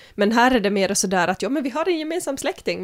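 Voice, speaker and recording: A woman talks at a fairly quick pace with vocal fry. Her pitch swings very widely. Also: very clean recording, silent background. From Finland, Ostrobothnia (Jakobstad). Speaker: podcast host. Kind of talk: casual chat.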